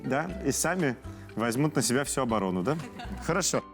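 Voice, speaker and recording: A male host of a children's quiz show speaks in a medium-pitched voice. He is chatty and encouraging, keeping a conversational tone. Music plays softly behind him. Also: animated, brisk. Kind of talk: conversational hosting.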